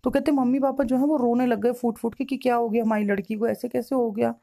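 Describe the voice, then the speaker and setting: A woman with a fairly high, mellow voice retells a client's story as a spiritual counselor. She speaks in long runs of reported speech and comes back to the same phrases again and again with emotional weight. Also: steady tone, quick pace, gravelly.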